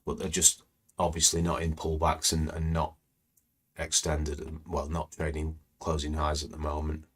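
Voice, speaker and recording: A man with a very low, deep voice talks through market charts on a live stream. His voice is croaky and slightly hoarse. He rambles casually, leaning on "you know" between thoughts. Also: monotone, moderate pace. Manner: conversational, rambling, many "you know" fillers. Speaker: trading educator hosting live stream. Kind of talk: live market screening commentary.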